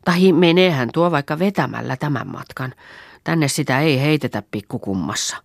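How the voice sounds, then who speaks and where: A woman voicing a practical young farm girl in a storybook, brisk and matter-of-fact. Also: deep voice, animated, vocal fry, dry recording, clean studio sound, full character voice. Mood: plain.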